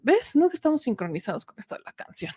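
A woman's voice: sits high, big pitch swings, fast talker, mellow. A woman in her thirties with a Mexican accent hosts a political talk show in a chatty, joking way, still getting over a cough from allergies. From Puebla, Mexico. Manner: chatty and joking, with asides to the producer. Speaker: political commentary host.

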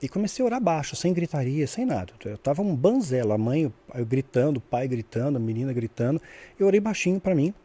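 A man from São telling a story in casual conversation, animated, often acting out the voices he quotes. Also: mid-range voice, fast. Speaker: guest storyteller.

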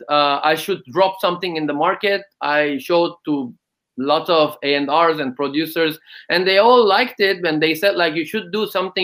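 Man, 30s, bright and slightly high, hesitant guest with many fillers, video call. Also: poor audio. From Lebanon. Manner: hesitant, many ums and uhs, laughs often. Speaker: guest musician. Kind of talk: casual interview.

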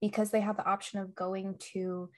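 A woman's voice: medium pitch, flat delivery, moderate pace. A young woman co-hosting a podcast, explaining her views thoughtfully in a casual chat. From United States. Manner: thoughtful, explains carefully, asks for clarity. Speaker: podcast co-host.

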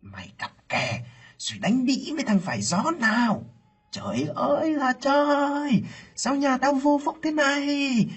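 A man voicing a sharp-tongued, doting elderly village matriarch who scolds and wails theatrically. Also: sing-song, fairly quick, slightly rough, full character voice. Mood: shrieking lament. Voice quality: shrill wailing scolding. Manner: theatrical lamenting cries. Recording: lo-fi with faint music.

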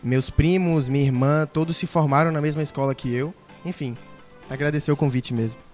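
A man's voice: fairly high pitch, steady tone, brisk, darkish tone, soft background music. A young man, a podcast guest who talks casually with slang. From Salvador, Brazil.

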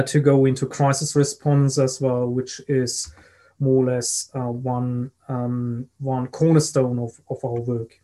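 A man with a German accent answering interview questions as an expert guest, speaking in a measured, halting way. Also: medium pitch, warm tone. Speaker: guest, risk and crisis management consultant.

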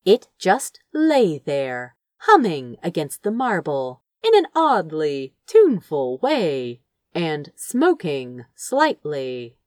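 A woman narrates a story in an expressive, theatrical style. Her pitch swings widely from phrase to phrase, and she takes her time with deliberate phrasing. The sound is dry, with very little room in it. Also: dry recording. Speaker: audiobook reader of fan fiction. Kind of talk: expressive dramatic scripted narration.

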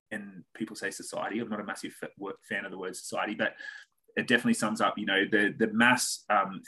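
A man's voice: on the low side, bright, forceful tone, breathy edge, poor audio. A man with an Australian accent, a podcast guest talking in a reflective, philosophical way and swearing casually. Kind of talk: casual chat.

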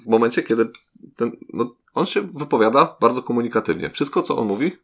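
A man's voice: medium pitch, animated, brisk, gravelly, fairly bright tone. Man, podcast co-host, casual chat, hesitant, lots of filler sounds. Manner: hesitant, many fillers, trails off.

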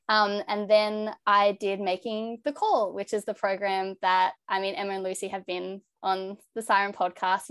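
A young woman with an Australian accent and a high, youthful voice, chatting openly as a podcast guest. She talks in an earnest, rambling way, full of "like" and "um". The sound is dry and close, with no room behind her. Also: no echo. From New South Wales, Australia. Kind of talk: casual interview chat.

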